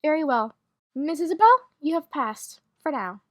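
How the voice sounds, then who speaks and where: A woman voicing a prim, stern but fair female teacher with a formal, measured manner in an animated roleplay story. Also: high voice, no room sound, studio quality. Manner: formal, measured, addresses pupils by title. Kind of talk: hobby animated roleplay voice acting.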